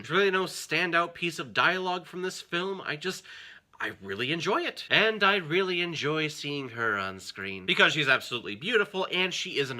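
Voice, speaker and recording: Male movie vlogger, highish voice with animated swings, emphatic and enthusiastic, addressing his viewers. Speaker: film reviewer and channel host.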